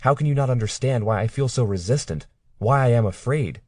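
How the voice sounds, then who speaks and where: A man raising his voice to play a young captive woman, defiant but frightened, who pleads in an earnest storybook tone. The voice sits higher than his own deep register and stays dry and close. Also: moderate pace, warm tone, breathy edge, no room sound. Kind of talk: audiobook character reading.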